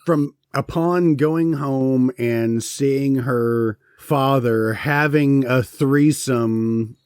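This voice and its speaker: Slow-talking man, dry close sound. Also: medium pitch, darkish tone, smooth, dry recording. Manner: wry, laughs at jokes. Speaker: podcast co-host. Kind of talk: casual film-review chat.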